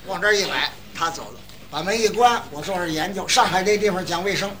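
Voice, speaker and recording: A man performing a comic crosstalk routine, telling stories in an animated way and mimicking dialects. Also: sits high, quick pace, background noise. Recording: distant mic, live audience.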